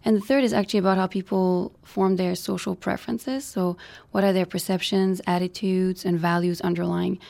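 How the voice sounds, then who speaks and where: A middle-aged woman from Bulgaria, an economics professor, answering interview questions in a measured, academic way. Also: lowish voice, fairly even intonation, gravelly, a little mellow, dry recording. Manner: measured, academic, frequent "you know".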